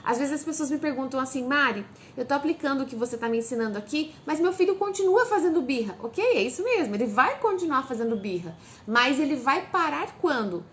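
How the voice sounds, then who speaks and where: High-voiced woman giving parenting advice. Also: fairly quick, few pauses, slight background noise. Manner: speaks straight to parents, asks and answers her own questions; acts out calm, soft lines a parent says to the child. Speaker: parenting educator. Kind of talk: direct-to-camera parenting advice.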